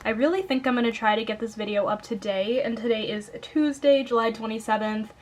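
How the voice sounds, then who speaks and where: A woman's voice: a little high, fairly quick. Chatty Midwestern American young woman. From Wisconsin, United States. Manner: chatty and upbeat, lots of "um" and "like". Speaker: coloring YouTuber. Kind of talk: casual chat to camera.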